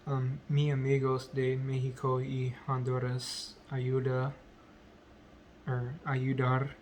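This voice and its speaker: A man whose first language is English, speaking in a halting vlog as a learner, full of pauses, ums and self-corrections. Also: mid-range voice, completely flat delivery, darkish tone, slight background noise. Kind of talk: halting unscripted speech practice.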